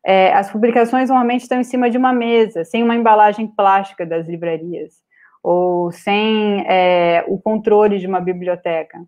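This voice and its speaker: A woman with a Brazilian Portuguese accent giving an online lecture over slides, pausing often with fillers and restarts. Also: medium pitch, steady tone, a little mellow. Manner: hesitant, many filler "é" and restarts. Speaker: guest speaker on art publishing. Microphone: video call webcam.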